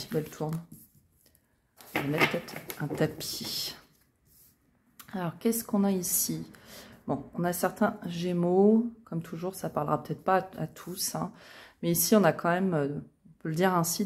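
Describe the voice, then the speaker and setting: A woman hosting a casual tarot reading, talking to her viewers in a chatty way with many small fillers. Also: fairly low pitch. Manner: chatty, many fillers like euh and hein, soft asides. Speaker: tarot reader, channel host.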